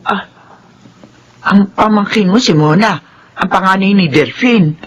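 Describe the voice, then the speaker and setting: A woman's voice: mid-range voice, a little slow, muffled recording, lightly acted. Older woman playing a disapproving grandma, plain voice, slight noise.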